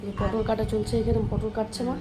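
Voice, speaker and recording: A woman chatting to viewers in a casual daily vlog, speaking softly because of a sore throat. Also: a little high, flat delivery, quick pace. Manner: chatty, addresses viewers directly. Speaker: vlogger. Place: home and outdoors, moving around. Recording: noisy phone recording.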